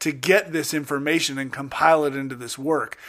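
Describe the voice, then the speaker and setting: In a very clean recording with a silent background, a man talks at a fairly quick pace with a fairly high pitch and an animated tone. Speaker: Bible podcast co-host. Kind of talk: casual Bible study discussion.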